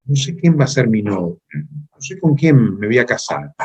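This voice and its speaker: A man's voice: mid-range voice, very animated, moderate pace, slightly rough, highs cut off. A man quoting a worried eight-year-old boy in an anecdote during a talk. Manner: anxious, hesitant.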